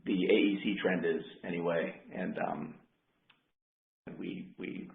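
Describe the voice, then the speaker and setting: A man speaking as a company executive, answering questions on an earnings call in a measured, careful way. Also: low-pitched, fairly even intonation, gravelly. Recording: roomy, dull conference line.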